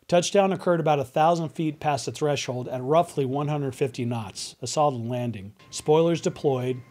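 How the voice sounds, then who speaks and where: A man's voice: mid-range voice, a little mellow. A man in his forties giving scripted narration as an aviation video host into a desk microphone. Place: indoor studio. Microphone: desk microphone on boom arm.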